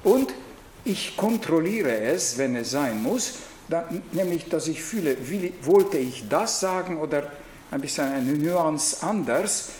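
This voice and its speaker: A man with a Hungarian accent gives a reflective lecture, halting and searching for words, with frequent restarts. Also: fairly high pitch, a little mellow, slight background noise. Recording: very echoey room.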